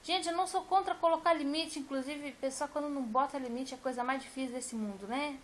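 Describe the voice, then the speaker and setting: A woman with a high voice talks straight to camera in a casual vlog. Her tone is bright and clear, and she presses every point with emphatic repetition. She speaks as a teacher talking to her viewers. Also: fast, slight background noise. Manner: emphatic, addresses viewers directly, repeats points.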